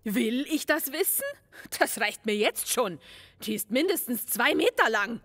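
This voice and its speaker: A woman's voice: a little high, lively intonation, unhurried, fairly bright tone, big-room sound. A woman playing a stern, indignant landlady with a pompous, scolding manner in an audio drama. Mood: outraged. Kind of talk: German amateur audio drama acting.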